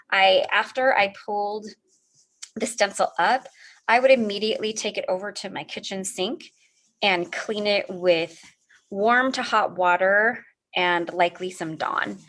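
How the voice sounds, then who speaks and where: A woman's voice: mid-range voice, fairly bright tone. A middle-aged woman hosts a live craft demo over a video call, talking viewers through each step in a friendly, chatty way. She is a little sniffly and often stops to answer comments from the chat. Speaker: craft livestream host.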